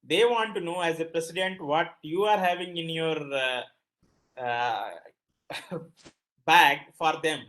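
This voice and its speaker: A man with a slightly high voice acts as moderator. He passes on questions politely, in short and somewhat hesitant phrases. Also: unhurried, fairly bright tone. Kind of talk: polite question-asking at an event.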